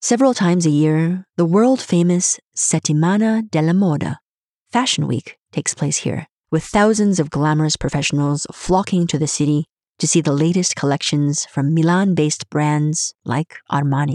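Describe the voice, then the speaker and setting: A woman speaks at a fairly slow pace in a very deep, low voice, her tone dark and mellow and her loudness very even. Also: ordinary pitch variation, dry, close sound with no echo. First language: not Italian (speaking Italian). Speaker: podcast host and Italian learner. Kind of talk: scripted narration.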